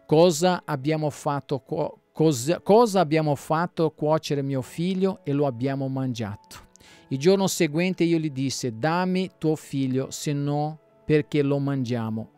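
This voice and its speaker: A man, a pastor, reading the Bible aloud in a plain steady way, now and then stumbling and restarting a word. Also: a little high, a little slow, smooth, soft background music.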